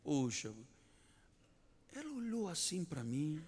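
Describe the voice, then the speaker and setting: A man's voice: fairly high pitch, big pitch swings, unhurried, darkish tone, slightly rough. Portuguese-accented pastor preaching, repeats his points hard, voice rings out in a big echoey church. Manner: emphatic, repeats key phrases, storytelling. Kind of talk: sermon. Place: large church sanctuary. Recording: long church reverb.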